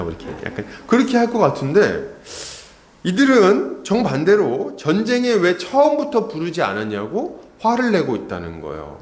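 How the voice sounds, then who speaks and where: A male pastor delivers a sermon in a fairly high, lively voice, rising and falling as he talks the congregation through the story. He keeps checking in with his listeners. The sound carries the echo of a church room. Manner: conversational preaching, often asks the congregation "그죠?". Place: church sanctuary.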